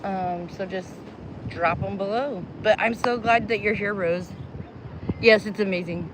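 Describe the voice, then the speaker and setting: A bubbly New Mexico woman livestreams from the beach, saying hello to viewers and chatting between tarot readings, laughing readily as she rambles. She has a medium-pitched voice and speaks a little slowly, her phone picking up heavy wind and loud surroundings.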